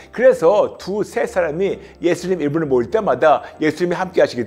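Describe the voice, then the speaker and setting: Faint music plays behind a man talking at a moderate pace. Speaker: pastor. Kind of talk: sermon-style talk. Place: studio. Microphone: lapel.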